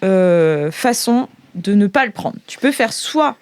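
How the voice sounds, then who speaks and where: A woman's voice: mid-range voice, expressive, slow, a little mellow, no room sound. A woman narrating an improvised tabletop game as game master, conversationally, with her own vocal sound effects. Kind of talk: improvised tabletop role-play narration and banter.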